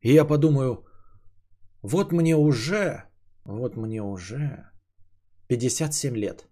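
Speaking slowly but animatedly in a medium pitch, a podcast host in his thirties muses through a rambling solo monologue. He swears offhandedly and drifts from energetic to quieter moments.

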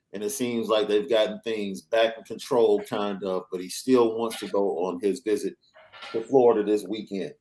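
A young adult man hosting a casual sports podcast, reading through news in an energetic, chatty way. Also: fairly low pitch, rough recording. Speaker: podcast host.

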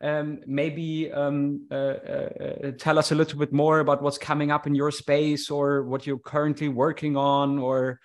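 A man hosting a podcast, talking in a hesitant, relaxed way with many fillers and restarts. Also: fairly high pitch, normal speed, few pauses. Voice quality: single-sided deafness. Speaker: podcast host. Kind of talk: casual conversation.

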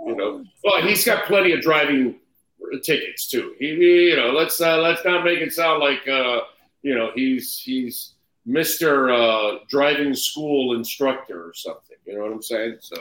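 A man's voice: mid-range voice, measured pace, a bit bright. A man hosting a sports radio show in casual, teasing banter, his voice heard with an echoey roomy sound.

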